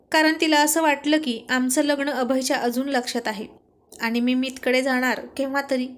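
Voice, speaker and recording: A woman narrates a romantic story in a calm, steady way. Her voice sits somewhat high for a woman. The pacing stays even.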